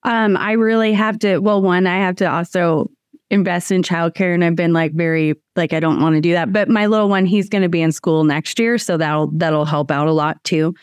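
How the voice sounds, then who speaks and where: A woman's voice: lowish voice, steady tone, normal speed, smooth, dry recording, studio quality. A woman taking part in a group coaching session, speaking candidly and a little hesitantly, with fillers. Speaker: group participant. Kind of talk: casual sharing in a group.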